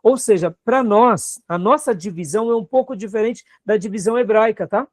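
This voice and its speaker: A man with a Brazilian Portuguese accent speaks at a high pitch and a fairly quick pace, recorded dry with clean studio sound. He's a pastor giving a classroom Bible lecture at a seminary, keeping it conversational and often checking in with his students.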